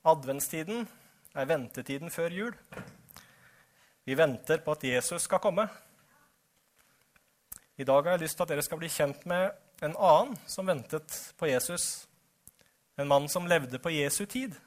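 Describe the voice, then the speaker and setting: A middle-aged male preacher with a high voice. He talks earnestly and straight to the people in front of him, now and then asking them questions. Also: lively intonation, pauses often. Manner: earnest, addresses the congregation directly. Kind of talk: sermon.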